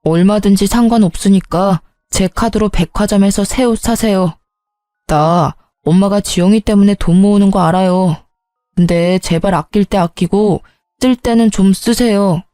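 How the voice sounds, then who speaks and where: An exasperated grown eldest son in a storybook drama, as a woman narrator plays him, pleading and frustrated. The voice is mellow, dry and close, with faint music running behind. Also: medium pitch, normal speed, no room sound, close to an everyday voice. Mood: insistent.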